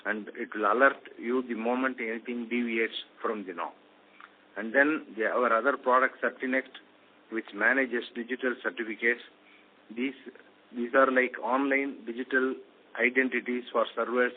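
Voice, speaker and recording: A man with an Indian accent delivering prepared business remarks as a company chairman on a conference call. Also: mid-range voice. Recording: narrow, noisy phone conference line.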